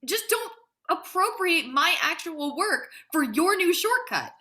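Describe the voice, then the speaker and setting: A woman's voice: very high-pitched, big pitch swings, a little slow, sharp tone, full character voice. A woman playing an indignant, proud young male grad student with cutting sarcasm in a dramatic table read. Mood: scornful, angry.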